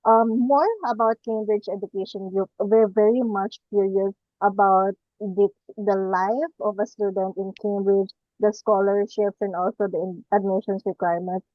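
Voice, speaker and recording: A woman's voice: mid-range voice, little pitch movement, normal speed, hardly any pauses. A woman hosting an online webinar in a polite, formal manner. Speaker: webinar host. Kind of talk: formal webinar introduction and chat. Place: indoors on an online video call. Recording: muffled, roomy online call audio.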